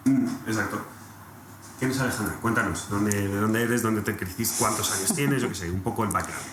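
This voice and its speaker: A man's voice: fairly low pitch, brisk. A young man with an accent from Spain, chatting casually as a podcast host and interviewer. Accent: Spanish (Spain). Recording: roomy echo, clearly audible background noise.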